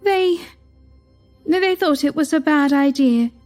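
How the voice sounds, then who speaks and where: A woman's voice: high voice, takes it slowly, darkish tone, soft background music. A woman voicing a naive, tearful young royal concubine who speaks with childlike, pleading innocence. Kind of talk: audio drama acting.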